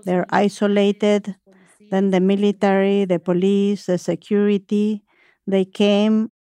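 A woman giving a voice-over translation in a steady, flat way. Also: mid-range voice, slow pace, clear, resonant tone, no room sound. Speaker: voice-over interpreter.

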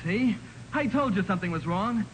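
High-voiced, aggrieved young heir. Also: male voice, animated, moderate pace, slight background noise, poor audio. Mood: indignant. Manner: indignant, whiny, accusing. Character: aggrieved, accusing young heir, hot-tempered younger son. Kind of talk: 1940s radio drama acting.

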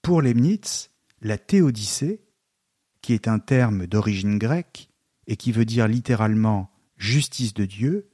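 A man giving a scripted educational narration, measured and explanatory, slowing down on key terms. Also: mid-range voice, warm tone, no room sound, clean studio sound. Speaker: literature and philosophy lecturer.

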